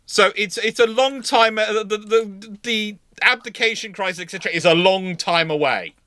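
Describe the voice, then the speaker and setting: A man with a bright, fairly high voice in a dry recording. He talks informally as host of a history discussion, circling back to correct and repeat himself for emphasis. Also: moderate pace, dry recording. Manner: hesitant, self-correcting, emphatic repetition.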